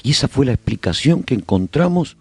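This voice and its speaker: A man's voice: medium pitch, sing-song, a little fast, music in the background. A man playing a haunted, reflective survivor who chronicles the apocalypse in theatrical, emphatic first-person radio-serial narration. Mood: haunted remembering.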